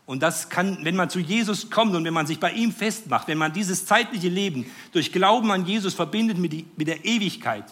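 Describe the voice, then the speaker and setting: A man preaching a sermon with a slightly higher voice than most men. He speaks earnestly, sometimes stumbling and restarting, and builds toward fervent joy. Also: animated, brisk, hardly any pauses, a bit bright. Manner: earnest, rises to joyful fervor.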